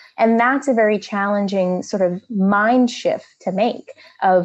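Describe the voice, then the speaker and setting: Her voice is a normal speaking voice at a medium pitch, with fairly even intonation. This woman speaks with an American accent. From Brooklyn, New York. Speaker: career coach. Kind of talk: coaching conversation. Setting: at home.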